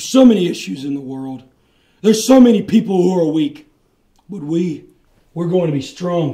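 A man puts on a character voice, speaking at a moderate pace with high pitch and lively intonation. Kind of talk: scripted dramatic monologue. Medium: short film. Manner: intense, ranting. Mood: persuasive.

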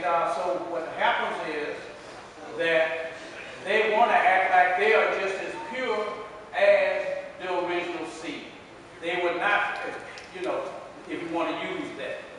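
Over light background noise and strong room echo, a man talks at a fairly slow pace with long, frequent pauses. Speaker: preacher. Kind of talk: sermon-style Q&A lecture. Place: church.

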